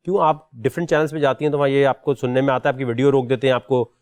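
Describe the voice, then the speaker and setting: A man's voice: medium pitch, steady tone, a little mellow, clean tone, no echo. A man hosting a talent show audition, questioning a contestant in a teasing, pointed way. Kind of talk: probing audition interview.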